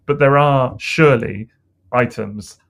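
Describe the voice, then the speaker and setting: Gravelly man, rambling chat. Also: medium pitch, a little slow, a bit bright. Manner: rambling, hesitant, lots of fillers. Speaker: podcast co-host. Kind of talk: casual chat.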